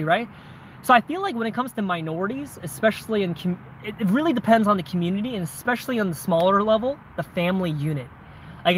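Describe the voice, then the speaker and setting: Slight background noise sits under a high-pitched, a bit bright male voice. A Southern vlogger, he answers viewers' questions in easy, casual conversation, regularly tacking on "right?" and "man," with the occasional "bro."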